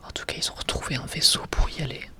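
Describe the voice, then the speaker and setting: Whispering ASMR creator. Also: fast. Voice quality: breathy, unvoiced whisper. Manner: rambling, self-correcting fan commentary. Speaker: ASMR video creator presenting a manga collection. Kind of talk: whispered ASMR, casual chat.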